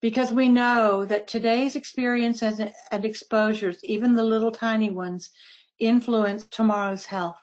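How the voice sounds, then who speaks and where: A woman's voice: on the high side, a little mellow. A middle-aged woman from West Virginia, raised in Ohio, giving a friendly, conversational webinar presentation with casual asides. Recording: dull lo-fi webinar audio.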